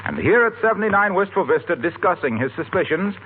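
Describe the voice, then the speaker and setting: A man as a 1940s radio announcer with a brisk, salesy delivery. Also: high voice, very animated, noisy background. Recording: tinny old radio with faint music.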